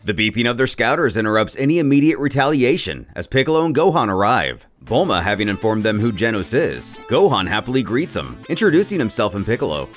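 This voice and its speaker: A male host reads a scripted recap with an animated, storytelling delivery and the odd casual aside. His pitch is mid-range but swings widely. Soft background music plays under his voice. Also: fast, few pauses. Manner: lively, expressive storyteller with asides. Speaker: channel host.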